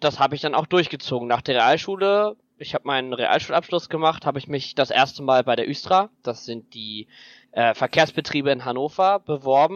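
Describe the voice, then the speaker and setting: A man talks at a moderate pace with ordinary pitch variation. He has an unremarkable speaking voice. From Hanover, northern Germany. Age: 20s. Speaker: train driver. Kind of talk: casual interview.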